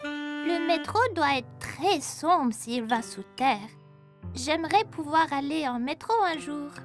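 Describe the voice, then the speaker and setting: A performer voicing a curious, earnest four-year-old boy in a children's cartoon, with expressive childlike delivery. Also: high-pitched, slow pace. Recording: music behind.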